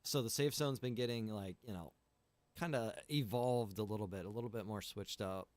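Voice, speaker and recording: A man's voice: on the low side, moderate pace, darkish tone, dry recording. A man chatting casually on a game livestream, explaining things in a rambling, informal way as he addresses his viewers. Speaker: game livestreamer and roleplay server organizer.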